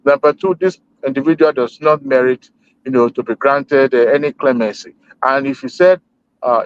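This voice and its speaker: A man speaks through a group voice chat connection, so his voice comes through dull and lo-fi. He sits at a middle pitch and argues in a measured way, pausing often on hesitation fillers. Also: no room sound. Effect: heard over a group voice chat connection. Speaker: panel discussant. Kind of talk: debate on a group call. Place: at home in Texas. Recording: dull lo-fi online call audio.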